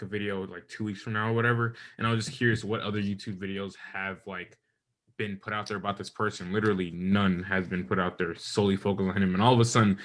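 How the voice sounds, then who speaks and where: A young man co-hosting a casual podcast, talking in an animated way and swearing casually. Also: on the low side. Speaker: podcast co-host and YouTuber.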